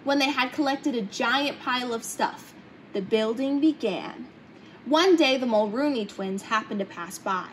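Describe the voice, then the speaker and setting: Young woman, high voice, children's story read-aloud, clear background noise in the room. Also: unhurried. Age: young adult. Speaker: storybook reader. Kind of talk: reading a children's picture book aloud. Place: indoor hangar-like museum room, seated in open cockpit.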